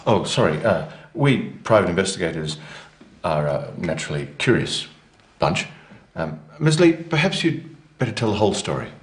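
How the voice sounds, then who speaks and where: A nosy middle-aged private investigator, low-voiced and swinging widely in pitch. He hums and hesitates between questions. The room around him sounds roomy. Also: big pitch swings. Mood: curious. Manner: hesitant, fills pauses with hums and uhs. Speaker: actor in a teaching drama. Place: small office set, indoors.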